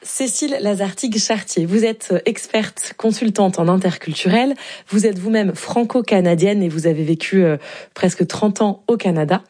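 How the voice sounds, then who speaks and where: A woman radio host presenting a culture segment and introducing her guests in a measured way. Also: mid-range voice, dark tone. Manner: clear, measured presenter delivery.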